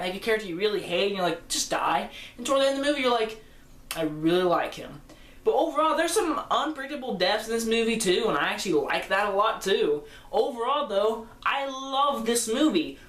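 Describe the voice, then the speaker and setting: This time the teenager's voice is very high and a bit bright, still fifteen and still reviewing a movie with rambling enthusiasm. He corrects himself over and over as roomy echo fills the recording.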